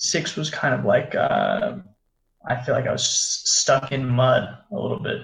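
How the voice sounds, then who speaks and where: Moving at a very slow pace, a man speaks with hardly any pauses. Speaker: host's friend. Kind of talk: casual chat. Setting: video call. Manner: slow talker; halting.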